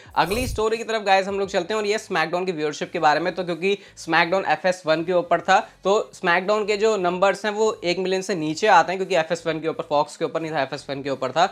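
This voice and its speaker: This man's high-pitched voice carries lively intonation and moves fairly quickly. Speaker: wrestling news YouTuber. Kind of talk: casual news commentary vlog. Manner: animated, conversational.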